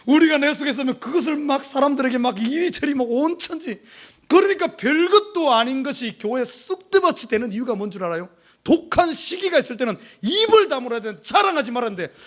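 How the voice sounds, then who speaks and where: A male pastor preaching to his congregation, emphatic, with many rhetorical questions, swinging from urgent pleas to hushed asides. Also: very high-pitched, animated, fast talker. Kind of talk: sermon. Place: church service.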